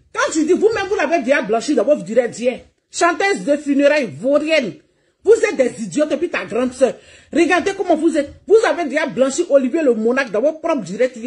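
A woman with a notably high voice, running a heated livestream rant. She talks combatively and mockingly, laughing as she scolds her targets. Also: darkish tone. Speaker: online streamer.

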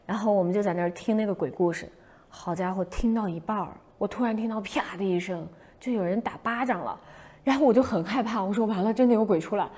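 A young woman hosting a casual livestream, telling a story in an animated way and acting out her own past shouts. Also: mid-range voice. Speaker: livestream host.

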